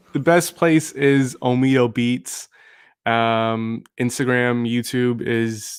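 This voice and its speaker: Recorded very cleanly over a silent background, a man with a slight Canadian accent speaks at a medium pitch with fairly even intonation. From Canada (southern Ontario). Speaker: music producer. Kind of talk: interview.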